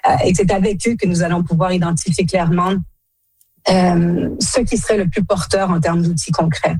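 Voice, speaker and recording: A middle-aged woman from Quebec answering radio interview questions as an association director, speaking haltingly with many fillers and self-corrections. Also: fairly low pitch, steady tone, a little mellow, slightly rough, no room sound. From Quebec, Canada. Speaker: association director general, guest.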